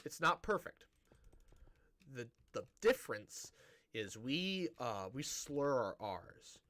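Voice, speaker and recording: A man's voice: mid-range voice, bright, forceful tone. A man with a Midwestern American accent from the Great Plains, chatting casually and rambling as a gaming streamer. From Great Plains, United States. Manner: rambling, chatty, restarts his sentences. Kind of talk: casual chat while live-streaming a game.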